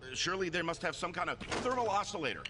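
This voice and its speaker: An actor playing a fretful, eager rebel officer in a comic game cutscene. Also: male voice, high-pitched, very animated, fast, sharp tone, slight background noise, heavily acted.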